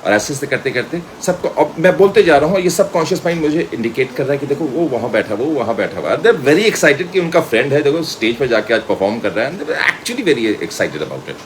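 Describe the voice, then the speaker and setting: A middle-aged man with an Indian accent gives an informal lecture, telling personal anecdotes in an animated way and mixing in English phrases. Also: mid-range voice, a little fast, hardly any pauses, a little hiss or hum, low-quality recording. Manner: animated storyteller, acts out dialogue, mixes in English phrases. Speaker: media school director and voice trainer.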